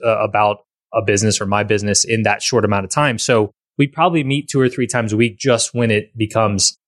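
A man's voice: fairly low pitch, steady tone, fairly quick, no room sound, clean studio sound. A man hosting a podcast in casual conversation, rambling with frequent restarts and repeated words. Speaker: podcast host.

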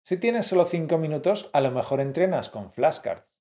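A man's voice: a little high, animated, normal speed, warm tone, lo-fi sound. A man co-hosting a language-learning podcast, explaining in a friendly, encouraging way. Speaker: co-host of a Spanish-learning podcast. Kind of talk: scripted podcast teaching.

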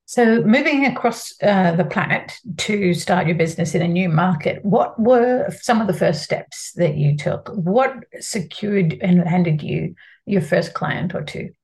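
A woman's voice: fairly low pitch, expressive, a little slow, darkish tone. A woman hosting a podcast interview, upbeat and chatty, who laughs easily. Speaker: podcast host.

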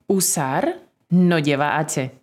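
Slow, lively-voiced woman teacher dictating. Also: sits low. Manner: clear, deliberate dictation. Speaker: Spanish teacher. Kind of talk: spelling dictation lesson.

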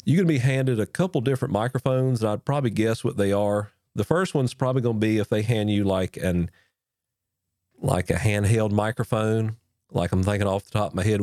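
A man with a congested, nasal voice hosts his own instructional podcast, sitting right up on a broadcast microphone. His voice is low and set in a dry, dead room. He talks in an earnest, encouraging way, with plenty of casual fillers. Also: dark tone, no room sound. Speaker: pastor and podcast host. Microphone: dynamic broadcast mic, close.

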